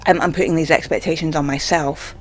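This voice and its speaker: In a low-quality recording with soft music behind, a video blogger speaks briskly at medium pitch with fairly even intonation. He or she stammers and hesitates through a casual, rambling talk to camera, packed with "like."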